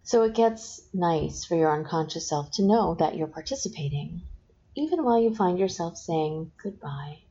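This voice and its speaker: A woman guiding a hypnosis session, speaking in slow, soft, repetitive suggestions. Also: on the low side, expressive. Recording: dull lo-fi sound with faint noise.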